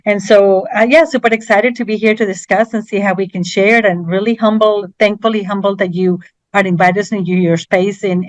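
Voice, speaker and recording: A woman's voice: medium pitch, dry recording. Earnest Colombian-born woman, dry sound. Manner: earnest, repeats words while finding them. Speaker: guest, university diversity educator. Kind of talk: casual panel talk.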